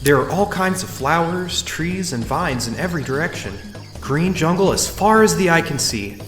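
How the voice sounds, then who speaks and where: A man's voice: a little high, lively intonation, moderate pace, fairly bright tone. A man playing a mild, observant young tourist who narrates in the first person in an audio drama. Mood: pleased. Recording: roomy echo, clear background music.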